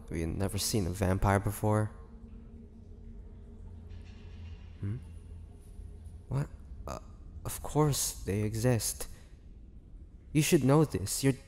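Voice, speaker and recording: Long cavernous reverb and background noise surround a man voicing a weary ancient male vampire held prisoner, groggy yet menacing. His low, gravelly voice has a darkish tone and a bitter mood, and he speaks haltingly, brooding slowly with pauses.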